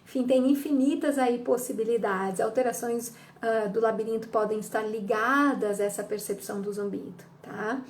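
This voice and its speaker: Woman clinician explaining stuff, kinda high voice, checks in a lot, acts out what patients say. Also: moderate pace. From Brazil. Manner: didactic, frequent "tá?" check-ins, acts out patient quotes. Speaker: audiologist and psychologist. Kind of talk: explanatory health talk.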